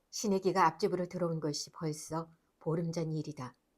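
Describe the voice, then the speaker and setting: A woman with a very deep, low voice and ordinary pitch variation speaks at a moderate pace in a very clean recording with a silent background. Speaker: voice actor, audiobook reader. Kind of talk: literary audiobook reading of a short story.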